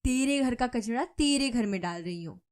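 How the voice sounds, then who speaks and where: A woman voicing a quarrelsome, scheming middle-aged female neighbor who talks loudly and accusingly in a cartoon story. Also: animated, moderate pace, lightly acted. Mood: needling. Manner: loud, accusing and shrill.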